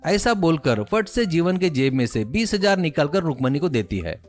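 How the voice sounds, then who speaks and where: A man's voice: on the high side, sing-song, normal speed, faint music behind. A man with an Indian accent narrating a scripted moral story for a cartoon.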